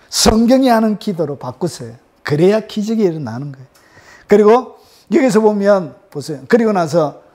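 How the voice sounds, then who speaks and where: A male pastor preaching a sermon, firing rhetorical questions at the congregation and breaking into loud shouts of praise. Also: high-pitched.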